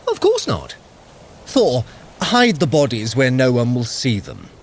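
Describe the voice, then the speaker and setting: A sly, self-satisfied trickster god, his pitch leaping and swooping as he talks. He speaks with cool sarcasm and clever scheming. A faint hiss of ambience sits under him in this radio-style drama. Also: wildly swooping pitch. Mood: sardonic. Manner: sardonic, smug and quick-witted. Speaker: Loki. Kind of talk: audio drama acting.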